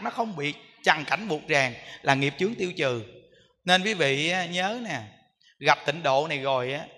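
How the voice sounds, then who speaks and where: A man's voice: a little high, pushed and bright. A man, a Buddhist monk, giving a conversational sermon to lay followers and often asking them rhetorical questions. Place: temple hall. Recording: long hall reverb.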